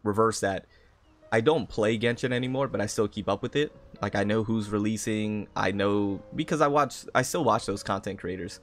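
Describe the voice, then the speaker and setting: A man's voice: fairly low pitch, normal speed. A man live streaming in a casual, chatty way, greeting viewers and often repeating his phrases. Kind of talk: casual gaming livestream chat, greeting viewers. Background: background music.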